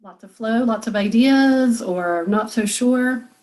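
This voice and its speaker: A woman's voice: a little high, slow pace, darkish tone, poor audio. A woman business coach leading a group coaching call, encouraging and thinking aloud with frequent fillers.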